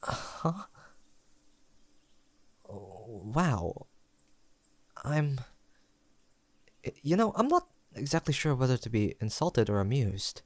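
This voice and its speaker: A man's voice: medium pitch, sing-song, dry recording, heavily acted. Man acting as a lovestruck young man, close and dry. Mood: playful, incredulous. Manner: conversational, hesitant, halting delivery with sighs and soft chuckles. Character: tender, playfully teasing young man, lovestruck childhood best friend. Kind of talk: intimate romantic audio roleplay spoken to the listener.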